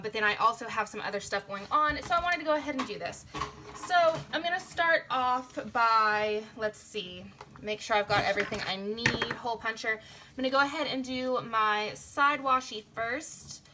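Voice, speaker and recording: A woman's voice: on the high side, pushed and bright, a little hiss or hum. A young woman chatting casually through her planner setup at home, tired early in the morning, with a slightly strained voice and a rambling way of talking. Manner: chatty, rambling, self-interrupting. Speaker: planner vlogger and sticker shop owner. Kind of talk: casual plan-with-me chat. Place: home craft desk, indoors. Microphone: phone camera overhead. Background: printers running.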